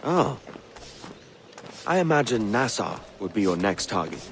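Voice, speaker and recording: An actor playing a young pirate posing as an expected guest, giving short, deferential answers. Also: male voice, fairly low pitch, very animated, measured pace, a little hiss or hum. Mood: wry. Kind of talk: video game cutscene acting.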